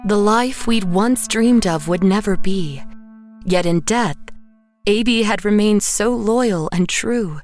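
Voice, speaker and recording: A woman playing an anxious, haunted painter who tells her own story in measured, literary horror narration. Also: medium pitch, darkish tone, natural voice. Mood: brooding, haunted. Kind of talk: scripted first-person horror audio drama narration. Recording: music underneath the voice. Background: background music.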